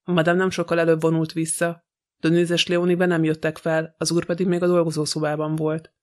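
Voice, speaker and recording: A man's voice: a little high, completely flat delivery, lightly acted. A man reading an audiobook, voicing a sly, gossipy old female housekeeper who talks with scorn. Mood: grumbling. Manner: grumbling, scornful.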